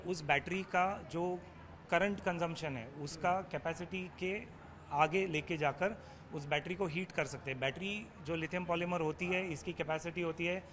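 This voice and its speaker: A man giving a technical explanation as an expert guest, halting often and slipping English phrases into his sentences. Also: on the high side, steady tone, fairly bright tone. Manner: halting, frequent hesitations, mixes in English phrases. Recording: background noise behind voice.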